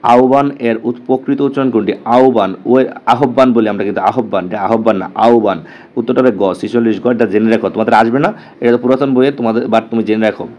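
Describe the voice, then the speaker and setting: A man teaching an exam-prep lesson, quickly going through answers, repeating them and checking with his students. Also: medium pitch, fairly even intonation, darkish tone, lo-fi sound.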